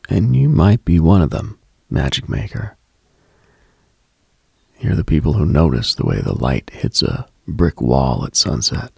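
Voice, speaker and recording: Male late-night host, heavy vocal fry, very dry close sound; intimate, husky, unhurried, contemplative ASMR-style delivery. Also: a bass voice, dry recording. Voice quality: husky, gravelly, breathy. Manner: hushed, unhurried, contemplative, addresses listener directly.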